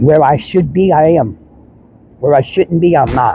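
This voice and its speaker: A man's voice has a dark, mellow tone and vocal fry. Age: 60s. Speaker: homeless man, former prisoner. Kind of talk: interview, life story.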